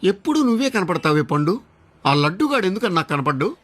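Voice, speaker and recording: A nosy, blustering policeman, his voice high and swinging up and down as he presses his questions with theatrical flair. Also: big pitch swings, brisk, fairly bright tone, a little hiss or hum. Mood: probing. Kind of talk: film comedy dialogue.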